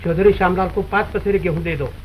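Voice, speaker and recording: An actor playing a smug, scheming village moneylender in a 1940s film. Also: male voice, high-pitched, steady tone, quick pace, lightly acted. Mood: brisk. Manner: smug, gloating, mocking laughs. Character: greedy scheming village moneylender, middle-aged man. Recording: dull old film soundtrack with hiss.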